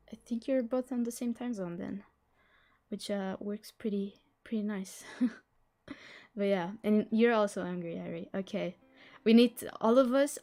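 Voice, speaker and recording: A woman's voice: medium pitch, dark tone. A woman who is not a native English speaker, hosting a casual livestream. She chats, giggles often and stumbles over words while reading a book blurb aloud. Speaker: livestream host.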